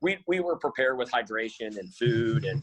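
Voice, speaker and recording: With an American accent, the speaker has an unremarkable speaking voice, talking fairly quickly with ordinary pitch variation. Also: man. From US South (Birmingham, Alabama). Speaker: endurance athlete and entrepreneur. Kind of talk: podcast interview.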